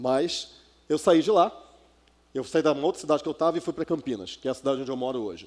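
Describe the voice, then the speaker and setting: A man talks at a very fast pace in an animated tone, with a fairly high pitch. Long, frequent pauses break up his speech. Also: ordinary pitch variation. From Brazil, Rio de Janeiro. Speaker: motivational speaker. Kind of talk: motivational talk.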